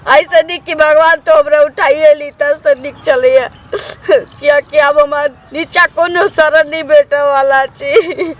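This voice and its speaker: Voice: high-pitched, normal speed, hardly any pauses, sharp tone. An actor playing a young grieving widow in a comedy sketch, speaking with a Maithili accent in a plaintive, wailing way. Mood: lamenting. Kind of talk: comic village sketch acting.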